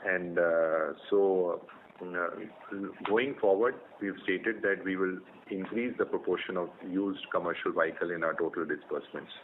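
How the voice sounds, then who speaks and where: A man with an Indian accent, a company executive explaining results in a measured way on an earnings call. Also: low voice, fairly even intonation. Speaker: company executive answering analysts. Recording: narrow phone line with faint noise.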